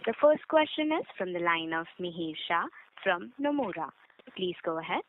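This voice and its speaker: A woman's voice: fairly low pitch, big pitch swings, normal speed, slight background noise. A woman making formal, scripted announcements as a conference call operator. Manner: formal, procedural. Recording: dry, tinny phone line.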